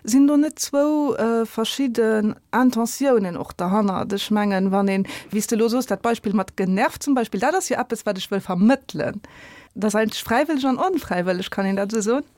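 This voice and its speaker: A woman's voice: a little high, a little fast, darkish tone, no room sound. A woman with a Luxembourgish accent hosting a radio talk show, asking questions in a hesitant, friendly way. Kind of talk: studio interview, asking questions. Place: radio studio.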